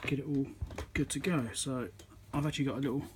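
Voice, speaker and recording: A man's voice: medium pitch, fairly even intonation. Man muttering through workbench demo, faint noise. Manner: halting, muttering to himself while concentrating on fiddly work. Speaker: electronics repairer, channel host. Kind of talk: casual hands-on demonstration commentary while working. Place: indoor electronics workbench. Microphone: phone on a tripod above the work. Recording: noisy room recording on a phone.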